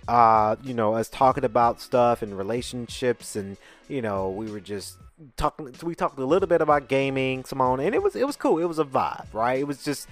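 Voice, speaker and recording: A man's voice: mid-range voice, lively intonation, normal speed, soft background music. A man in his twenties co-hosting a podcast, rambling casually, bluntly and with profanity, often asking "right?". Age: 20s. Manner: chatty, keeps asking "right?". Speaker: podcast co-host.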